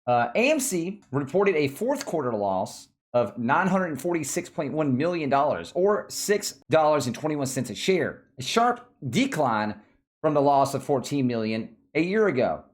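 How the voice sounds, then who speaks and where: A man's voice: fairly high pitch, very animated, moderate pace. A man hosting casual stock market commentary in an informal, opinionated, colloquial way. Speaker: stock video host.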